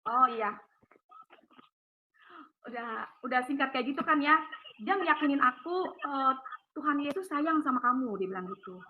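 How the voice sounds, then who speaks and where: A woman tells her faith testimony over a call, in an emotional, rushed, vivid way. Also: sits high, lively intonation. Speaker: guest giving a faith testimony. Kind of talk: casual storytelling over a call. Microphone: phone or video call. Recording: tinny phone line with faint hiss.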